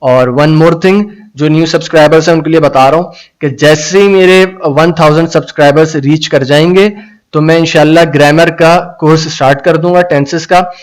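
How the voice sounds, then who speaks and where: Slow-reading man teaching English. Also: fairly high pitch, fairly even intonation, poor audio. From Pakistan. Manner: slow, deliberate reading of English phrases, then explaining in Urdu; reads viewers' comments aloud. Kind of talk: live-streamed English lesson in Urdu.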